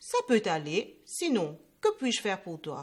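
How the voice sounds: A woman puts on a gruff character voice at a medium pitch, her pitch swinging very widely. She talks at a moderate pace.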